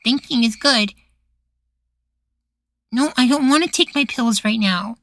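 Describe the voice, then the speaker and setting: A woman's voice: fairly high pitch, unhurried. A woman playing a meek, sweet young boywife in a futuristic ASMR roleplay, hesitant and full of trailing questions. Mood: reluctant. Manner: hesitant, soft-spoken pleading, trailing questions.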